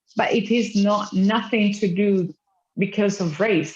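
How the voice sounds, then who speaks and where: A woman with a somewhat breathy voice speaks at a medium pitch with fairly even intonation. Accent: non-native. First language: not English. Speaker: former lawyer, book club co-host. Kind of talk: casual discussion. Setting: livestream.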